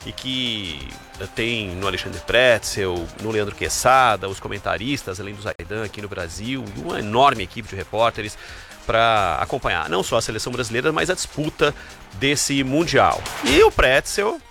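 A man hosting a sports broadcast, lively and addressing his colleagues directly. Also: lowish voice, moderate pace, vocal fry, faint music behind. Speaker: radio sports show host.

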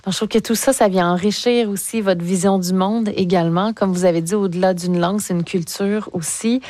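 A woman's voice: medium pitch, steady tone, brisk, mellow, no echo. Woman interviewer, dry sound. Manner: encouraging, asks follow-up questions by name. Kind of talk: radio interview.

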